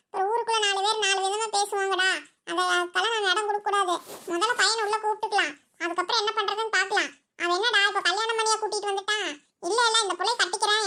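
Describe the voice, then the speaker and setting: A shrill, bright Kongu village aunt. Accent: Kongu Tamil. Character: older village aunt, calm family elder.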